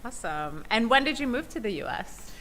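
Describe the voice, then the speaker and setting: Bright-voiced woman hosting a talk. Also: on the high side, sing-song, a little fast. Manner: casual, explanatory, conversational. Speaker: podcast host. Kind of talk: spoken presentation to an audience.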